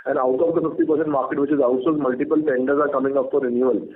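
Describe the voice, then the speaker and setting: Over a noisy, tinny phone connection, an Indian-accented executive answers earnings-call questions in rapid-fire fashion. His mid-range voice stays steady, his manner is firm, and he keeps returning to filler phrases.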